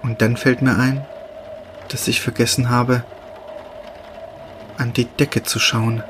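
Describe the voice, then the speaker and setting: A man reading short horror stories in a slow, hushed, deliberate voice with dramatic pauses. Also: mid-range voice, little pitch movement, noisy background. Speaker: narrator. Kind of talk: scripted horror narration. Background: background music.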